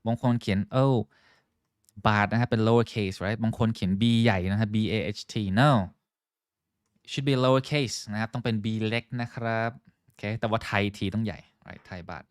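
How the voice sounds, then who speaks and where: A man's voice: lowish voice, unhurried, clear, resonant tone, dry recording, studio quality. A man teaching a live online English lesson, switching between English and Thai, drilling pronunciation and greeting viewers by name.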